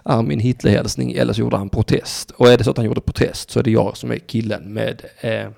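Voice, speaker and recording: A man with a medium-pitched, gravelly, slightly mellow voice and fairly even intonation hosts a call-in radio show alone. His casual monologue rambles, sarcastic and profane, as he speaks directly to his listeners and the chat.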